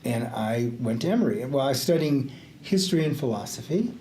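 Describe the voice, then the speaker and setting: An older man, a retired judge who grew up in the Panama Canal Zone with Greek as his first language, talking in a reflective, halting way with many fillers and quick laughs. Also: medium pitch, expressive, mellow. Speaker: retired judge, podcast guest. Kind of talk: casual interview chat. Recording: echoey room, faint background noise.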